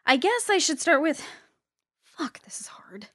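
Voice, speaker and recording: A high female voice, recorded close and dry for an audio drama. She is a jaded young woman, wounded and sardonic, who states things bluntly. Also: big pitch swings, a little slow, a bit bright, no echo, exaggerated voice. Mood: nervous, serious.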